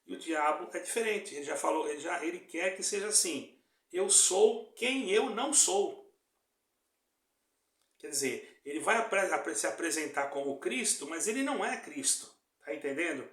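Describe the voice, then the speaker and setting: A man's voice: on the high side, lively intonation, fairly quick, few pauses, fairly bright tone. A man preaching an online sermon as an evangelist, earnest and repetitive, often checking that his listeners follow. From Brazil. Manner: earnest, repeats phrases, asks "tá entendendo?". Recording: echoey room.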